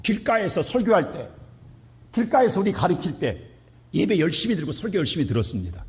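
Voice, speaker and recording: A male pastor preaching a Sunday sermon emphatically, swinging between loud outbursts and hushed asides. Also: sits high, very animated, a little fast. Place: church sanctuary.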